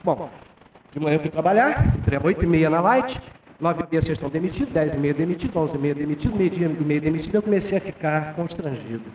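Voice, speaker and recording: A man's voice: fairly high pitch, expressive, quick pace, a little mellow, lo-fi sound. Middle-aged man lecturing in echoey hall. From Brazil. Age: 50s. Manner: conversational, tags sentences with "né?". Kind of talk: storytelling lecture. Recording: echoey hall from far off with faint noise.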